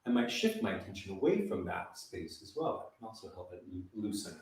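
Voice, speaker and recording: Calm male voice teacher, echoey room. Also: low voice, brisk, recorded from a distance. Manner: calm, coaching, demonstrates sighs and sung vocal exercises. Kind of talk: live online vocal warm-up lesson. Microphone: camera mic at a distance.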